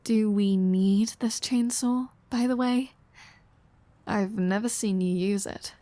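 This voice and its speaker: A woman's voice: medium pitch, fairly even intonation, slow pace, dark tone, no room sound, natural voice. A flirty female vampire, played by a woman in an audio roleplay, speaks at a leisurely pace in a mid-range voice. She is sardonic and playful, needling the listener with dry teasing. The sound is very dry, with no room around it.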